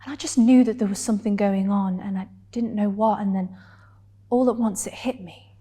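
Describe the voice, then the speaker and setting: A woman performing a dramatic stage monologue as a hurt, defiant gay woman confronting her partner, deliberately and with heavy pauses. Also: medium pitch, steady tone, dark tone, slightly rough, lightly acted. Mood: hushed, confessional.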